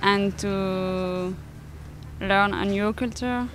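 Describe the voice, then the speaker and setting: Eighteen-year-old woman from Belgium, halting. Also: mid-range voice, steady tone, background noise. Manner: halting, searching for words. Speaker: exchange student. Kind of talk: school news interview.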